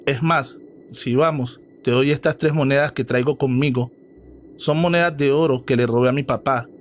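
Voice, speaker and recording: A man's voice: mid-range voice, fairly even intonation, normal speed, a little hiss or hum, lightly acted. A man voicing a bold teenage cousin who taunts and dares his friend. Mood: taunting. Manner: cocky, taunting.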